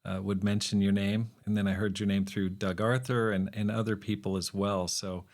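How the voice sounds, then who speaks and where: A podcast host, male, with a low, steady voice. He reads a scripted welcome and then asks his guest friendly, encouraging questions. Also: moderate pace. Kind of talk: podcast interview and scripted intro.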